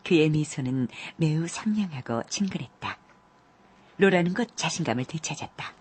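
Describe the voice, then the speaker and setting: A woman narrating a classic story audiobook in a measured, calm way, with a husky voice. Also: low-pitched.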